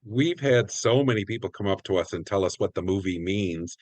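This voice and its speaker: A man's voice: low-pitched, expressive, brisk, no room sound. A man speaking conversationally in an interview. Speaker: guest, community theatre player.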